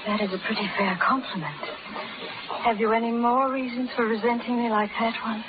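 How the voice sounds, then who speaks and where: A woman's voice: fairly high pitch, steady tone, a little fast, lightly acted. An actress playing a spirited, poised young colonial lady in 1930s radio drama style. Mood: coy, challenging. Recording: tinny, crackly 1930s live radio, audience. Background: audience and crackle.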